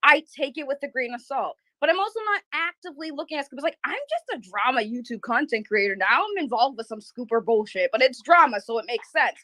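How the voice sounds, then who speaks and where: A high, bright-voiced woman talks bluntly over a remote call, cursing often and tripping over her own restarts. The sound is dry and close, with no room around her. She comes across as a YouTube drama creator speaking her mind. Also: no echo, rough recording. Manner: blunt, swears freely, quick restarts. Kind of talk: casual heated chat.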